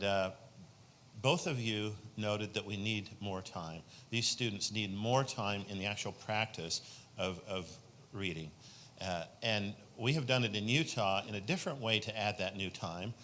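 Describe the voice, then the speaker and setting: Bright-voiced man promoting a program. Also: lowish voice, slight background noise. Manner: earnest, promotional, long-winded. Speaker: state senator asking a question. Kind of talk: conference floor question.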